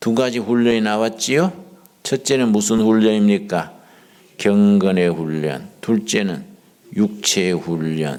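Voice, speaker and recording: A man speaks at a very slow pace with lively intonation and a fairly low pitch. Audible room echo surrounds his voice. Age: 70s. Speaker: pastor. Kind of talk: sermon.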